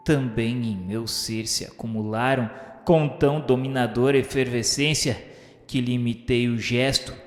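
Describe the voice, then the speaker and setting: A man's voice: mid-range voice, close to an everyday voice. A man with a Brazilian accent playing the remorseful spirit of a blind suicide from the nineteenth century, confessing in solemn, grandiloquent literary monologue for a radio drama. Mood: tormented, remorseful. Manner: solemn, grandiloquent, slow declamation. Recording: echoey hall reverb, music underneath.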